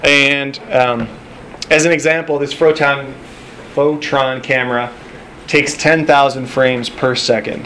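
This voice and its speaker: A man speaks at a fairly high pitch in a monotone, flat way. He leaves long, frequent pauses, and background noise is noticeable. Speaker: university lecturer. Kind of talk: lecture. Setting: classroom. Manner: fast.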